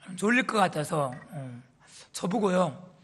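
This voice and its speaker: A male pastor from Seoul, warming up the congregation with jokes and teasing questions before his sermon. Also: sits high, very animated, measured pace, slightly rough. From Korea, raised in Seoul. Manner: playful, teasing the audience with questions. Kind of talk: joke-telling warm-up before a church sermon. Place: church hall. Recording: reverberant church hall.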